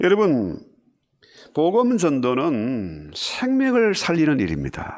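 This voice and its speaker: A man with a Gyeongsang accent at a very slow pace, with audible room echo. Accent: Gyeongsang dialect Korean. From Gyeongsang province, South Korea. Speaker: pastor. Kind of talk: sermon.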